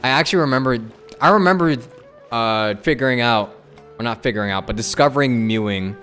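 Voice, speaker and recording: A man's voice: mid-range voice, a little fast, a bit bright. A man livestreaming a game, reacting casually in a candid, slangy, exclaiming way. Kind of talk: casual live gameplay reaction. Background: game music.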